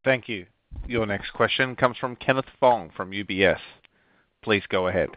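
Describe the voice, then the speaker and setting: Low-voiced male operator, muffled line. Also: normal speed, no echo. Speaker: conference call operator. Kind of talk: scripted call announcement. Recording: dull, lo-fi call line.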